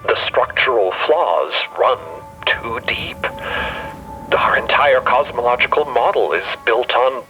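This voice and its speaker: Bitter robot, band-limited and swooping. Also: male voice, mid-range voice, expressive, slow pace, muffled recording, faint music behind. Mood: grim. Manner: grim, sardonic, incredulous. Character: bitter, skeptical male robot intellectual. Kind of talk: audio drama acting.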